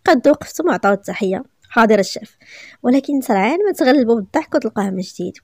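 A Moroccan woman reads a romance story aloud, brisk and lively. Her voice sits fairly high and runs fast. The recording is dry and close. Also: breathy edge, dry recording.

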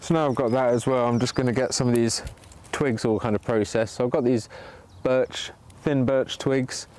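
A man with a medium-pitched, darkish, steady voice talks at a moderate pace while demonstrating bushcraft on a livestream. He chats casually with viewers in sunny woods, the camera angled down at his hands, and a little hiss or hum is audible.

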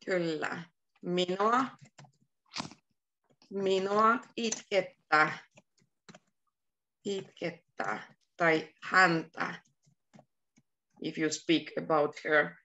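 Woman language teacher, bright voice, repeats words slowly, lo-fi video call sound. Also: on the low side, steady tone, slight background noise. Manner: slow, repeats words and gives English glosses. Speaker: Finnish teacher. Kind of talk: online beginner language lesson.

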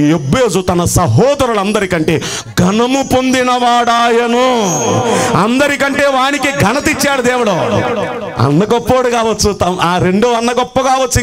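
A middle-aged male pastor telling a story in his sermon, in an animated way and mixing in English words. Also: high voice.

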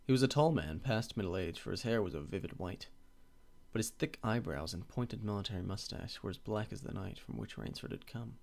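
A man narrates fiction in a fairly low, creaky voice. His delivery is theatrical and very lively in pitch, with deliberate phrasing that suits a storybook. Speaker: voice actor, story reader. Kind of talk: dramatic scripted storybook narration.

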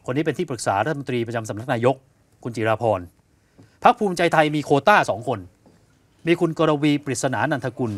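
A man co-hosting an evening news show, explaining political events in an animated conversational way, asking rhetorical questions and acting out what others said. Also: medium pitch, a little fast, breathy edge, no room sound. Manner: animated, asks rhetorical questions, acts out quotes. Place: television studio.

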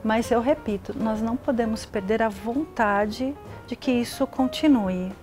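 A woman's voice: a little high, a little slow, over music. Earnest woman making her point. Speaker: visual artist, panel guest. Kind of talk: casual talk-show conversation. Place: living-room studio set.

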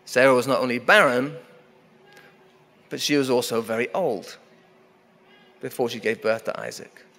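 A man's voice: medium pitch, a bit bright. Middle-aged man preaching in a reverberant church. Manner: emphatic, repeating key phrases, slowing down for weight. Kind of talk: sermon. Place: church sanctuary at a wooden pulpit. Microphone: pulpit microphone. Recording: long hall reverb of a church.

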